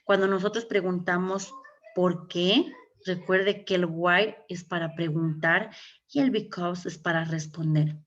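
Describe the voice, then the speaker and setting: A woman's voice: on the low side, fairly even intonation, unhurried. A woman teaching English grammar in Ecuadorian Spanish during an online class, explaining step by step and checking in with "okay?". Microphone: computer mic on a video call. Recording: dull lo-fi video call audio.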